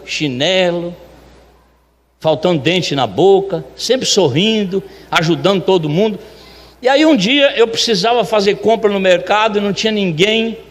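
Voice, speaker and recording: A man tells a testimony with lively, acted-out dialogue. His voice sits high for a man. A long hall reverb trails each phrase. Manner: animated, acts out dialogue. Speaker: restaurant owner giving a testimony. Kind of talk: church testimony storytelling.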